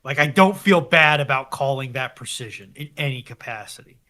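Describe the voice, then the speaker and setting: A man's voice: mid-range voice, lively intonation, fairly quick, sharp tone. A man on a panel chatting casually about a specialist subject. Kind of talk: casual chat.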